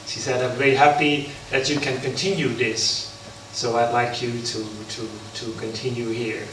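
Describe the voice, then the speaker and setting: A man from the Netherlands, a Buddhist monk, giving an unprepared talk at an interfaith forum, halting with many pauses. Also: mid-range voice, flat delivery. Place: large hall. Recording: echoey hall from far off, background noise.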